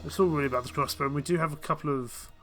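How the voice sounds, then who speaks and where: Croaky bright-voiced man. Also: a little high, very fast, slight background noise. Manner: hesitant, full of ums and restarts. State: croaky with a cold. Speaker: game streamer. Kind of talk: casual gameplay commentary.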